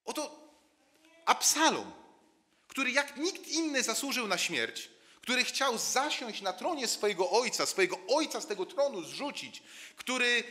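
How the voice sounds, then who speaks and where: A man's voice: high voice, pushed and bright, in a large hall. A man preaching a sermon in a church, telling the story dramatically, dropping to a near-murmur and rising again, often repeating words as he builds a point.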